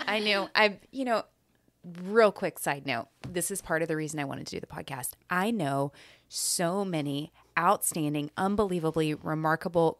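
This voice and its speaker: Host: woman, encouraging and enthusiastic, lower voice, dry studio mic. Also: a bit bright, dry recording. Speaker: podcast host. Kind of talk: casual chat.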